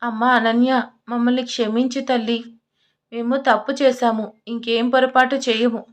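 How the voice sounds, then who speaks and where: A woman's voice: a little high, level tone, moderate pace, lightly acted. Storybook role: remorseful older man begging forgiveness, read by a woman narrator. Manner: apologetic.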